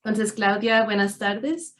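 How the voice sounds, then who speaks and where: A woman's voice: mid-range voice, takes it slowly, fairly bright tone. A woman lawyer hosting an interview, with a formal, carefully scripted opening. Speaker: host and lawyer. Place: online video interview.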